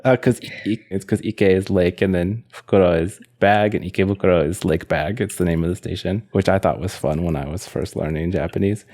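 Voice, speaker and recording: Podcast co-host, young man, low mellow gravelly voice, chatty and self-deprecating. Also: fairly even intonation, brisk, few pauses. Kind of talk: casual chat.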